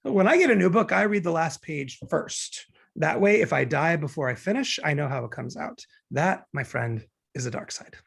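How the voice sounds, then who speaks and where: A man's voice: fairly high pitch, lively intonation, moderate pace, vocal fry, a bit bright, slightly rough, heavily acted. A man playing a glib, cynical young law graduate who argues and needles in a script table read. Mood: smug, morbid. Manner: sardonic, argumentative, needling.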